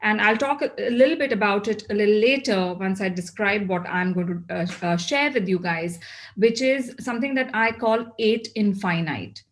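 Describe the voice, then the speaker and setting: A woman's voice: medium pitch, normal speed. A woman with a South Asian accent gives a motivational well-being talk to a group, instructing and often posing questions that she answers herself.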